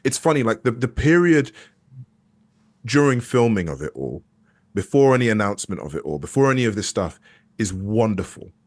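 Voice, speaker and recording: This actor, a young man being interviewed, has a fairly low voice with big swings in pitch and a moderate pace. His candid, reflective talk is full of hesitations, and he frequently starts his sentences over while thinking out loud.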